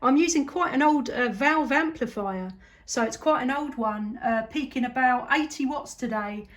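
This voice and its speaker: A woman's voice: high-pitched, moderate pace. A woman with a southern English accent, chatting casually and appreciatively as an amateur radio operator. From southeast England. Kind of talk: casual radio contact chat.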